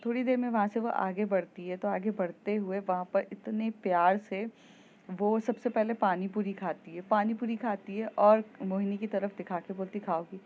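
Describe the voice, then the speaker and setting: A woman's voice: mid-range voice, steady tone, moderate pace. Casual woman narrator, rambling story telling, dull audio. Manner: chatty, with fillers and repeats.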